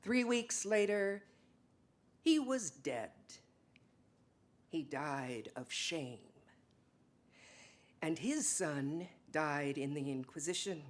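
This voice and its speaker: A woman's voice: low-pitched, animated, extremely slow, pauses often, pitched below the performer's own voice, exaggerated voice. A woman playing a sorrowful old male Jewish ancestor, telling stories solemnly in a dramatic monologue. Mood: grave, hushed, then mounting anguish. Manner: solemn, incantatory, rising repetition.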